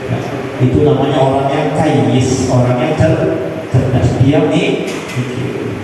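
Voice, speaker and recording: A man's voice: medium pitch, fairly even intonation, slow pace, background noise. A man preaching casually at a mosque study gathering, asking rhetorical questions and chanting Arabic verses. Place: large mosque hall. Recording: echoey hall from far off.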